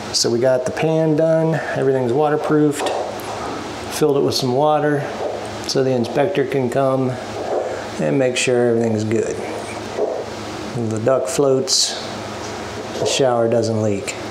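Over noticeable background noise, a man talks at a moderate pace, leaving long, frequent pauses. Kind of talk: casual vlog chat. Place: bathroom. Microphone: phone near.

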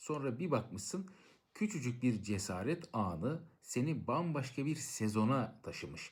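With a dark, mellow tone, a man speaks at a very slow pace using lively intonation. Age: 50s. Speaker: entrepreneurship coach. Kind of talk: motivational monologue.

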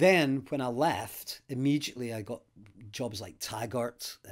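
A man with a slight Aberdeen accent speaks at a fairly slow pace. His pitch varies in an ordinary way against a quiet background. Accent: light Aberdeen Scottish. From Scotland. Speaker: actor and theatre director. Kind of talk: interview. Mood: relaxed, reminiscing. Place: home room.

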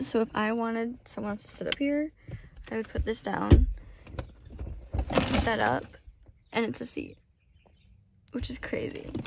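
A woman speaks at a moderate pace with long, frequent pauses. The sound is dry with no echo, but loud background noise is present. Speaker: vlogger. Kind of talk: casual vlog chat. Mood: cheerful, excited. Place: car. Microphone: phone near.

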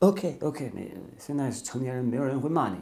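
The voice has a dark, mellow tone and a French accent. It moves at a fairly quick pace with lively intonation. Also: man. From France. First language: French (speaking Chinese). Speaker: French language teacher. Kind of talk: tutorial. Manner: halting, many fillers and repeats. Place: studio. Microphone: lapel.

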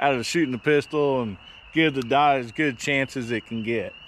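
A man speaks with light background noise. The sound is dry with no echo. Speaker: gun channel host. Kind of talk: casual product review vlog. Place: open country. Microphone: phone near.

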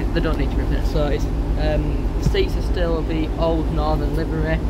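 A man's fairly slow speech over loud background noise. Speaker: railway enthusiast vlogger. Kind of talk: casual vlog chat. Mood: light-hearted, joking. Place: train. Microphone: phone near.

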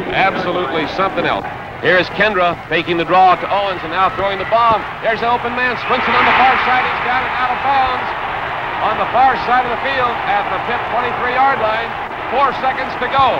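Lively intonation carries a fairly quick delivery over noticeable background noise. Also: man. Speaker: radio sports play-by-play announcer. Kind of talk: live football play-by-play commentary. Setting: archival broadcast recording from a VHS tape.

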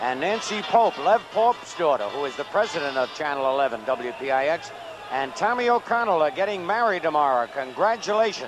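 A man with a fairly high pitch and very wide pitch swings, at a moderate pace, dry sound with no echo and clear music in the background. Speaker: baseball commentator. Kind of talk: live baseball commentary. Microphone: headset.

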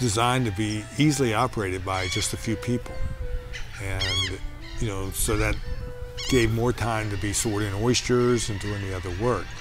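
Clear music plays in the background as a man with a fairly low pitch talks at a moderate pace with fairly even intonation, the sound dry with no echo. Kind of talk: interview answer. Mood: fond, appreciative. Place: waterside.

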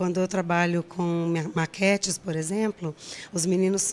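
A woman's fairly low voice at a moderate pace. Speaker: teacher. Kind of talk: interview testimonial. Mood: warm, enthusiastic. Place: hall. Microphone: handheld.

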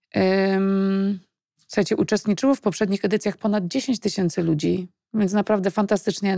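A woman with a medium-pitched, dark and mellow voice talks at a fairly quick pace with fairly even intonation, recorded very cleanly against a silent background with a dry, close sound and no echo. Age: 40s. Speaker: videocast host, bank employee. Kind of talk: casual conversation.

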